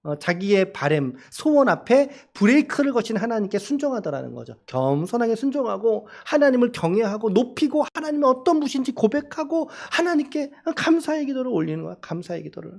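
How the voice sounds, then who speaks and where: A male pastor delivers a Sunday sermon with a lively, animated voice that rises and falls freely. He speaks to the congregation conversationally, pausing to ask them questions. He slips into acted-out dialogue as he tells the story. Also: extremely high pitch, creaky. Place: church service.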